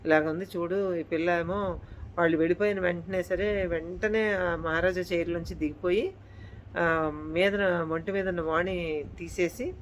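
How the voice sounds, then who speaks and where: A woman's voice: lowish voice, fairly even intonation, measured pace, a little hiss or hum, low-quality recording. A woman and channel host telling a true horror story in casual speech, repeating her phrases and addressing listeners politely.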